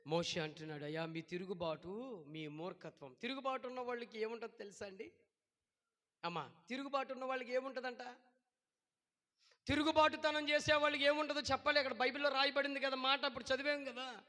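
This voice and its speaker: A man preaching in a high, piercing voice, throwing questions at his congregation and now and then breaking into a shout. The sound rings with the long echo of a church hall. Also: fast talker. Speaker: pastor. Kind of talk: sermon.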